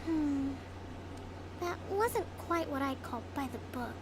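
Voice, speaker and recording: A woman playing a composed young female leader in a video game, speaking in a measured, formal, thoughtful way. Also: high-pitched, animated, background noise, exaggerated voice.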